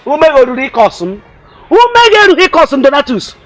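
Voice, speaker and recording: A man with a Nigerian accent playing a drunk, quarrelsome village mother who shouts and slurs. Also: very high voice, big pitch swings, normal speed, heavily acted. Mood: defiant.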